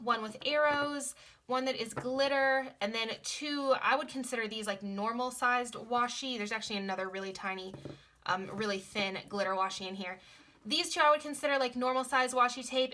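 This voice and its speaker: Chatty, gushing young woman, a little hoarse. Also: a little high, sharp tone. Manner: chatty, gushing, repeats words like "really, really". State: slightly hoarse from illness. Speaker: planner vlogger. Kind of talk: casual haul chat.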